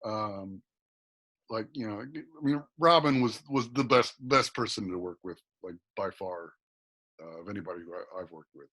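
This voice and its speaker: A man in his thirties, guest actor on a podcast, talking casually with a deep voice, often repeating words and laughing. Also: normal speed, pushed and bright.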